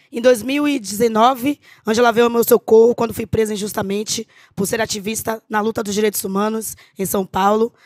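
A woman's fairly high voice at a moderate pace with fairly even intonation, in a dry sound with no echo against a quiet background. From Brazil. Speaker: housing rights activist. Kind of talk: panel talk. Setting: stage with audience. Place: meeting room. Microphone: handheld.

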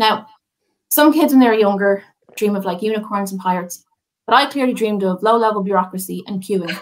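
A woman speaks with an Irish accent at a fairly quick pace. Her pitch variation is ordinary. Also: medium pitch for a woman. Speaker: comedian. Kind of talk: casual banter and short stand-up set. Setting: video call. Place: home room. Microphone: webcam.

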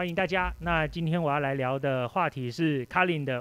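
A fairly high-pitched man with an unremarkable speaking voice shows ordinary pitch variation, captured in a very clean recording against a silent background. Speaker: software developer, conference speaker. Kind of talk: technical talk. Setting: stage with audience. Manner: playful.

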